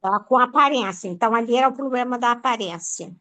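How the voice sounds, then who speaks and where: A woman, a church member in a Bible study, speaks hesitantly and haltingly, searching for words as she explains her understanding. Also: a little high, pushed and bright, no echo, rough recording. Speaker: church member asking a question.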